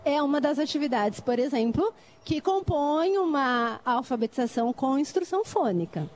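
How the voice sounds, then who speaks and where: Speaking on a debate panel, a middle-aged literacy-teaching lecturer from Brazil describes literacy activities, often asking whether her audience is keeping up. She has a high, darkish voice, with slight background noise in the recording.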